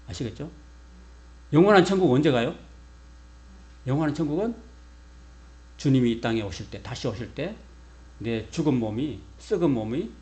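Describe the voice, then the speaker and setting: A man's voice: mid-range voice, mellow. A pastor preaching a sermon. He keeps asking the congregation questions and answering them himself, and leads them in call and response.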